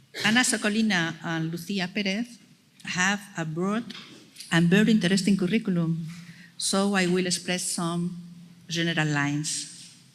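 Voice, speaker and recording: Amid audible room echo, a woman at a medium pitch speaks at a moderate pace with fairly even intonation and long, frequent pauses. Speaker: conference presenter introducing speakers. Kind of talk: formal introduction at conference. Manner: halting, hesitant.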